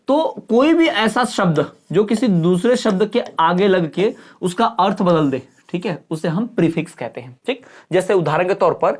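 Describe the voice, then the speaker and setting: A male teacher lecturing in a casual mix of Hindi and English. He keeps checking in with his listeners and answers his own questions. Whenever he reaches an English definition, he reads it out slowly and carefully. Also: high-pitched. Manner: calls listeners "bhai" informally.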